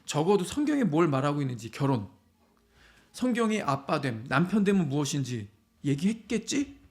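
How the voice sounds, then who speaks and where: A middle-aged man preaching a sermon as pastor, animated and acting out the voices of the people he quotes. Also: on the high side, normal speed.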